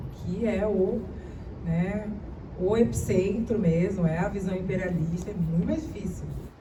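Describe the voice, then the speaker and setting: A woman of medium pitch speaks at a moderate pace with lively intonation, amid audible room echo and noticeable background noise. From Brazil. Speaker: academic and translator. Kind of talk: public talk. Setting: consulate event with audience.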